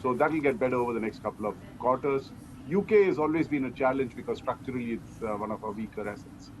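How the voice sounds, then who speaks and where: A man giving measured, explanatory answers as a company executive in an interview. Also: medium pitch. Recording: clearly noisy background.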